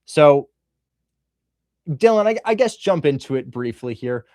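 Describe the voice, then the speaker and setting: A man's voice: on the high side, very animated, measured pace, darkish tone, no echo, studio quality. A man hosting a livestream interview about real estate wholesaling, talking with energy and repeating his questions. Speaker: host, wholesaling coach.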